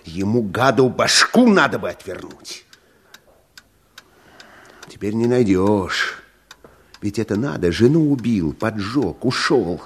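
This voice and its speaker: A gruff, loyal countryman in a radio play. His voice is low and distinctly husky. He mutters in halting, rustic phrases. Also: animated, exaggerated voice. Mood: gloomy, bitter. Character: gruff, plain-spoken peasant man, loyal sidekick. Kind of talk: Russian radio drama acting.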